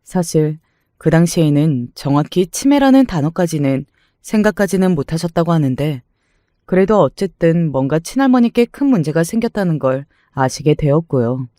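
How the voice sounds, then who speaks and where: A man narrating a true-life family story in a measured, somber way. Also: on the high side, lively intonation, warm tone, no echo, clean studio sound.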